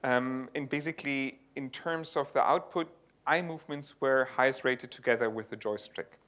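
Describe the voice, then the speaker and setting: A man's voice: medium pitch, moderate pace, a bit bright. A man presenting research at a conference and answering audience questions, explaining in a thinking-aloud way with frequent restarts. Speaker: conference speaker. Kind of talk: tech talk and audience Q&A. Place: lecture venue.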